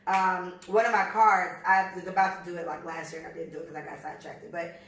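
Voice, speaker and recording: An American woman in her thirties chats on a podcast, blunt and full of swearing, telling her stories with a lot of energy. She talks fast. Her voice sits back from the mic in a very echoey room. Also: lowish voice, distant mic. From United States. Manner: profane, blunt and animated storytelling. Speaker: podcast co-host. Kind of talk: casual chat.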